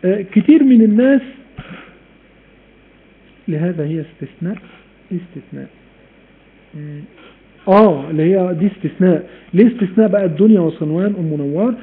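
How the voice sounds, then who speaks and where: A man with an Egyptian accent teaching a live-streamed Quran recitation lesson, animated and repeating key points while quizzing his students. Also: high-pitched, a little fast, long pauses. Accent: Egyptian Arabic. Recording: phone-like live stream audio with faint noise.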